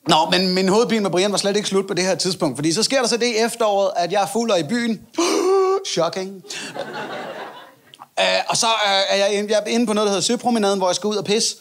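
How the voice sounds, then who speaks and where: High-voiced self-mocking stand-up comedian. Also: male voice, fairly even intonation, a little hiss or hum. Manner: chatty, self-mocking, acts out quotes.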